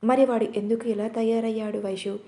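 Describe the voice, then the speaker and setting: A man's voice: high-pitched, little pitch movement, fairly quick, vocal fry, mellow. Woman voicing a tearful devoted husband. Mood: grieving. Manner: pleading, tearful. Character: grieving devoted young husband, emotional.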